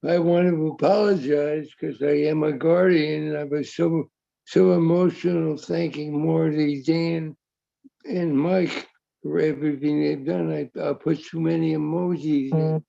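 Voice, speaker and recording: A man with a deeply gravelly, rough voice and a very dark, mellow tone speaks earnestly and repeats himself with spiritual phrasing. His voice is a touch higher than most men's. The audio sounds dull and lo-fi, like a call recording. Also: steady tone, unhurried. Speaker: community member speaking on a call. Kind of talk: emotional heartfelt testimonial.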